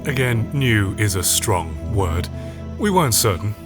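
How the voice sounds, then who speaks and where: An actor playing a smug, calculating senior official in a science fiction audio drama, formal and measured. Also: male voice, on the low side, big pitch swings, music in the background. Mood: smooth, evasive.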